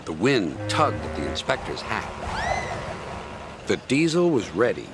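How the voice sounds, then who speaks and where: A man narrating a storybook tale in an animated, expressive reading. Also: on the low side, unhurried. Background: music.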